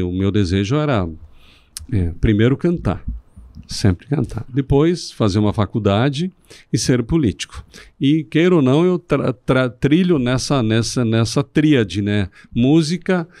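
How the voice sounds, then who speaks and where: A middle-aged man from southern Brazil, a city councilman guest on a podcast, speaking in a measured, speechifying way with some restarts. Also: mid-range voice, expressive, a little mellow, no room sound, clean studio sound. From Rio Grande do Sul, Brazil. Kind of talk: podcast interview.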